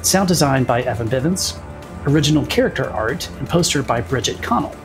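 A man delivers a scripted announcement. His voice is medium in pitch and sits over prominent music. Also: expressive, brisk. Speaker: credits announcer.

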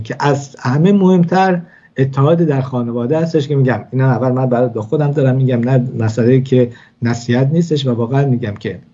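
Male religious teacher, measured and hesitant delivery, husky tone, dull lo-fi sound. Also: medium pitch, warm tone. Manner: measured explaining, frequent hesitations. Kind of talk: weekly Torah lesson.

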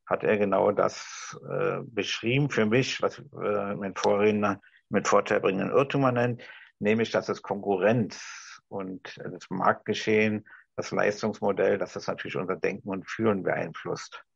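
A middle-aged man with a low, husky, gravelly voice and a restrained Berlin accent. He improvises a careful, halting address. The sound is dry and a little dull, like a video call. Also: dry recording. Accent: Berlin German, restrained toward High German. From Berlin, Germany. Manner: halting, careful articulation, searching for words. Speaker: discussion participant. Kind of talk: improvised speech to an imagined TV audience. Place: small room indoors. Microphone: video call, device at some distance.

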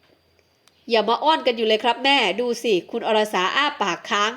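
A woman's voice: on the high side, moderate pace, fairly bright tone, lightly acted. A woman voicing a playful young man who teases his mother, in an audiobook. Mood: teasing. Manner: teasing, laughing.

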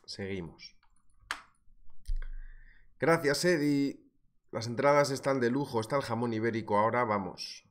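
A man's voice: medium pitch, measured pace, long pauses. A man in his thirties with a Spanish accent from Spain, hosting a live trading webinar from a small room, talking through a sore throat from a cold. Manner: lively, chatty, addresses viewers directly. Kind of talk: live market analysis webinar, reading viewer comments. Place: small indoor room at a desk.

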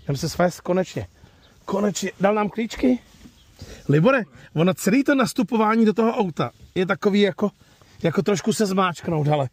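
Expressive and high-pitched, this man's voice comes with a little hiss or hum. He hosts a car review vlog, chatting informally as he walks around a car outdoors at a used car lot and then test-drives it from inside, tagging sentences with "jo."

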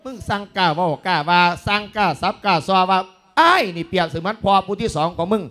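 A respectful, pleading son, played by a man with an Isan accent. He speaks quickly in a fairly high voice with sermon-like phrasing. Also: pushed and bright. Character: pleading grown son, respectful toward mother. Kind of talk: Isan sermon folk drama.

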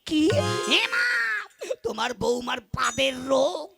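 A woman's voice: sits high, big pitch swings, a little slow, gravelly, heavily acted. A woman voicing a hysterical young husband in a comic folk puppet play, wailing and melodramatic. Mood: complaining. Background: folk instrumental music.

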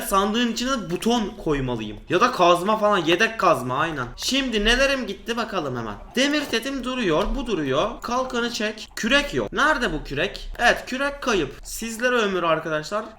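A young man from Turkey giving excitable, joking commentary while playing Minecraft, talking to the viewers and to the animals in the game. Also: sits high, echoey room. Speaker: gaming YouTuber.

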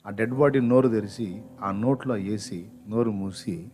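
A male pastor telling a story in his sermon, swinging between loud outbursts and hushed lows. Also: normal speed. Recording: faint background music.

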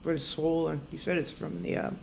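A middle-aged woman talking in a dazed, groggy, halting way after anesthesia, in a casual video diary recorded on a phone from a hospital bed. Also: low voice, flat delivery, vocal fry, darkish tone, slight background noise, poor audio. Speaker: patient vlogging after surgery. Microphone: phone at arm's length.

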